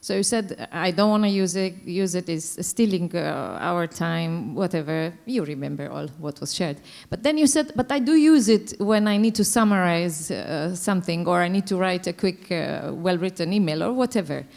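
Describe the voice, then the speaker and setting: A woman's voice: lowish voice, lively intonation, normal speed, vocal fry, hardly any pauses, darkish tone. A woman speaking on a discussion panel, thoughtful and hesitant, with many fillers. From Croatia. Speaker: panelist, dance company director.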